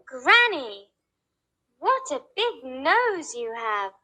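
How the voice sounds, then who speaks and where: Woman voicing a sweet high-pitched little girl. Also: very animated, drawn-out words, sharp tone, full character voice. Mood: innocent.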